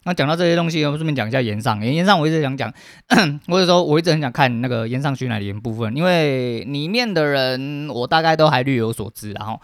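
Speaking fast and expressively at a medium pitch, a man in his thirties hosts a solo podcast rant, blunt and loaded with profanity. He has a Taiwanese Mandarin accent and a dry, scratchy throat, captured in a dry recording.

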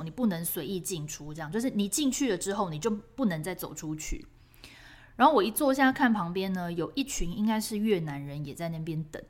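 A woman from Taiwan with a Taiwanese Mandarin accent, hosting a podcast and telling a personal story in an animated, expressive way. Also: lowish voice. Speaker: podcast host.

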